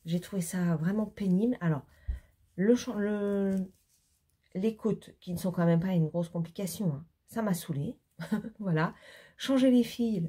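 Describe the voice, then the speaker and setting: A woman's voice: medium pitch, a little slow, mellow, husky. A middle-aged woman from France chatting casually to camera in a knitting vlog, rambling with many fillers, tired and still congested after laryngitis. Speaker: knitting vlogger.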